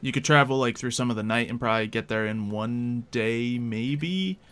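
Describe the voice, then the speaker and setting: A man's voice: medium pitch, moderate pace, a bit bright, clear, resonant tone. Man casually running a tabletop roleplay game. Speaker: game master.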